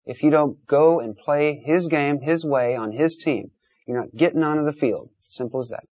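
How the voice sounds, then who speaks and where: A man's voice: on the high side, normal speed, darkish tone. A man hosting a call-in debate, talking in an emphatic, blunt, lecturing way. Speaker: talk show host.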